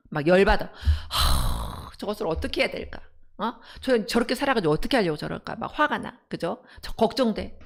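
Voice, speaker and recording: A middle-aged woman who directs a counseling center gives a lively parenting lecture on a live broadcast, peppering her audience with rhetorical questions. Her voice sits at medium pitch.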